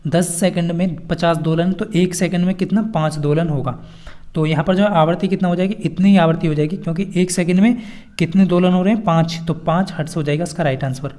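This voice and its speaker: Man, high-pitched voice, coaching teacher, instructional, explains quiz answers, repeats key points. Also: dark tone. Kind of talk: live test lesson, explaining quiz questions and answers.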